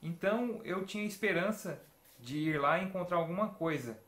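Chatty Brazilian man, slightly high voice. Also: lively intonation, moderate pace, roomy sound, loud music behind the voice. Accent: Brazilian Portuguese. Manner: chatty, storytelling with many tag questions. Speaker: retro gaming vlogger. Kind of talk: casual chat to camera. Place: home room with shelves of games and toys.

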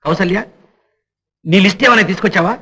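Brief: a commanding older father, bright, rapid delivery, film music behind. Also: high-pitched, breathy edge, exaggerated voice. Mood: stern. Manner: scolding, commanding. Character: stern, fond older father of the family. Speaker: father of the household. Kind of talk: 1980s Telugu film acting.

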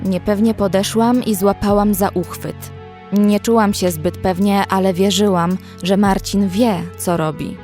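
Actress as a measured young woman survivor over music. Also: mid-range voice, fairly even intonation, a little mellow, natural voice. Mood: measured, uneasy. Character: young female survivor narrating a zombie apocalypse, anxious, observant. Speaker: narrator and actress in audio drama. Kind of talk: scripted first-person horror story narration. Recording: music under the voice.

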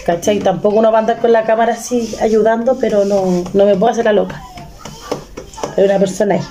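Chilean woman telling a story, mellow. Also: mid-range voice, quick pace, a little hiss or hum. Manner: animated, emotional retelling with many restarts. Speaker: vlogger. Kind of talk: casual storytelling.

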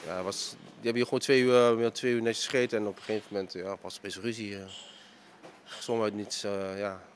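In his dining room, a thirty-something restaurant owner responds to a reporter's questions via a handheld mic, his lowish voice steady and quick. Many fillers mark his hesitant answers, over a little hiss or hum.

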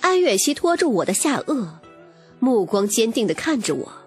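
A woman's voice: fairly high pitch, sing-song, moderate pace, breathy edge. A woman reading a romance novel as dramatic, scripted first-person narration. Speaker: audiobook narrator. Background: music.

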